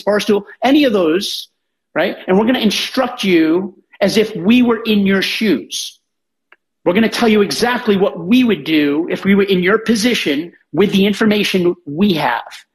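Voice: medium pitch, rough recording. Radio host selling a betting hotline. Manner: direct, talks straight to the listener. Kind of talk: sales pitch for betting service.

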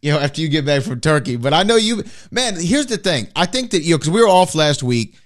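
A man's voice: on the high side, sing-song, fast talker. A man co-hosting a sports radio show, teasing his partner in casual banter. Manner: teasing, joking. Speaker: radio co-host.

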